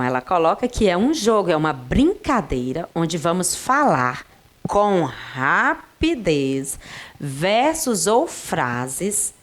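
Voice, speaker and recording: A woman teacher from Brazil giving a recorded lesson to children, talking to her pupils directly in a lively way. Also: on the low side.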